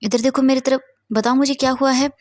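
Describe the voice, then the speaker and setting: Woman doing a soothing storybook dad, gentle and repeating endearments, dry close sound. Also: high-pitched, fairly even intonation, a little fast, dry recording, close to an everyday voice. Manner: gentle coaxing, repeating "beta". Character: caring middle-aged father soothing his son. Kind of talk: storytelling in character.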